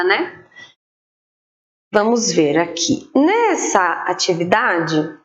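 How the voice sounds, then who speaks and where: A woman teacher giving an online literacy lesson to children, spelling words out slowly and clearly syllable by syllable. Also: fairly high pitch, dull audio.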